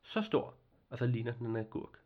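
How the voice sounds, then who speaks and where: A man voicing a curious, blunt little girl in a storybook reading, raising his voice to sound high and eager. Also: highs cut off, lightly acted. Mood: excited. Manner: excited and outspoken.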